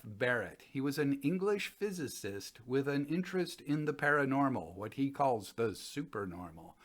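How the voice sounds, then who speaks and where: An older man speaks to camera from a room at home. His pitch is middling and his delivery is a casual, conversational explanation, as a presenter would give.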